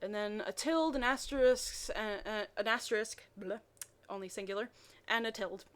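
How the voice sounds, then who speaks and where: A woman reading amateur fiction aloud in a mocking way, dropping in wry, deadpan asides. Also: mid-range voice, normal speed. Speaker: reader and commentator.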